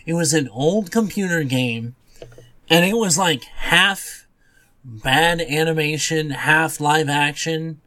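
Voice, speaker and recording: A man's voice: on the high side, slow pace, bright, forceful tone. A man co-hosting a podcast, chatting casually and informally. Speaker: podcast co-host. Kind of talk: casual chat about movies and video games.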